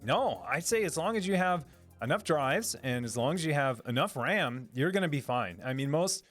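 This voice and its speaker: A man hosting a live stream and answering chat in a rambling, upbeat way, with lots of fillers and restarts. His voice is a little lower than usual today. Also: lively intonation, normal speed, a bit bright, faint music behind.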